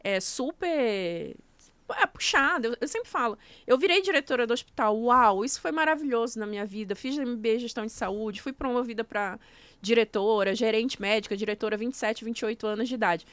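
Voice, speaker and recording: A woman with a fairly high voice talks as a podcast guest, laying out her points one step at a time. Her comes through in easy, casual speech. The sound is close and dry, with no room behind it. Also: brisk, a bit bright, smooth, no room sound. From Brazil. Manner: explanatory, walks through steps one by one. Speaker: guest, nutrition coach.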